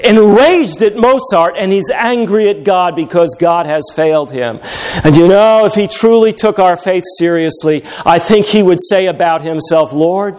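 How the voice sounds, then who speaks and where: A man's voice: sits high, normal speed. A middle-aged male pastor preaching a sermon, telling stories with wry humor. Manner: animated storytelling with wry humor.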